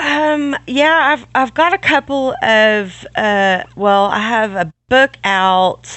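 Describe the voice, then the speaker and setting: A woman with a Southern US accent, fairly high-pitched, at a very slow pace with hardly any pauses and very wide pitch swings. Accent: Southern US country. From Arkansas, US South. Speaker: author, former police officer. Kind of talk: podcast interview. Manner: casual, hesitant with fillers.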